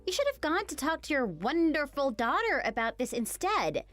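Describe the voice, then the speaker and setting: A woman voicing a patient, hurt young wife who pleads with her mother-in-law in an animated story. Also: sits high, moderate pace. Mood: pleading. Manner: earnest, pleading. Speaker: daughter-in-law.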